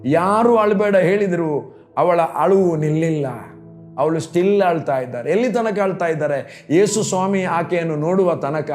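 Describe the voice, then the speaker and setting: A man's voice: fairly high pitch, normal speed, a little mellow, faint music behind. A man preaching a sermon as a pastor, telling a story and acting out quoted pleas.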